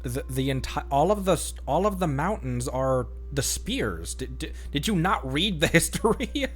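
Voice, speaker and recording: A man streaming a game with casual, joking commentary, often repeating himself haltingly. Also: a little high, big pitch swings, breathy edge.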